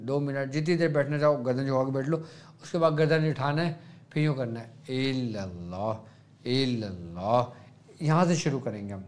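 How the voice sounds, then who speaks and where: A man with a Pakistani Urdu accent gives religious instruction as a Sufi guide. His voice sits a little high for a man. He explains each step patiently and drops into soft chanting to demonstrate.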